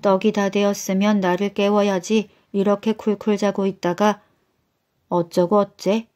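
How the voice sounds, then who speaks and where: A woman's voice: medium pitch, little pitch movement, unhurried, a little mellow, close to an everyday voice. A woman voicing a grumpy old man with a blocked nose who snorts before he talks and scolds his wife. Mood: scolding.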